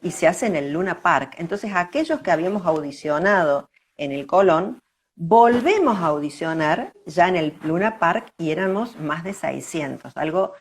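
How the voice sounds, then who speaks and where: Low-voiced older Argentine woman, noisy recording. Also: gravelly. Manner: reflective, pauses and repeats words. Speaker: interview guest, dancer. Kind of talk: reminiscing in a conversational interview.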